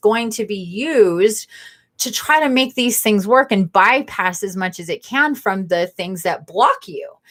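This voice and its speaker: At a fairly slow pace, an ordinary speaking voice moves with lively intonation. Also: woman. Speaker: psychic tarot reader. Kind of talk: live stream talk on chakras. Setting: live stream. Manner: casual with fillers and repetitions.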